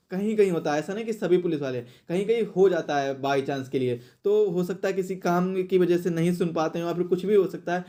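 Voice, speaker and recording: A man's voice: high voice, a little mellow. A man teaching an exam question-and-answer lesson, explaining and repeating phrases for emphasis.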